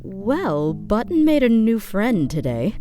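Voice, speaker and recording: A woman's voice: mid-range voice, sing-song, takes it slowly, warm tone, soft background music. A woman voicing an affectionate, teasing pony mother who can turn stern, in a fan audio drama. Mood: fond, relaxed.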